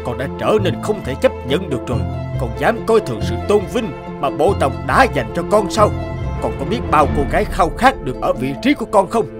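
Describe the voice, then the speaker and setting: An actor playing a pompous, authoritative tribal chief who scolds sternly in a fairy-tale cartoon. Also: male voice, a little high, big pitch swings, brisk. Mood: stern reproach. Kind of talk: animated fairy-tale acting. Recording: music behind the voice.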